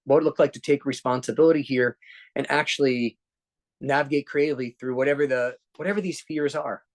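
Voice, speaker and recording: Man, executive coach, workshop talk, earnest, frequent restarts, mid pitch. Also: fast talker. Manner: earnest, repeats "right?" and restarts often. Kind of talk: workshop talk to a live group.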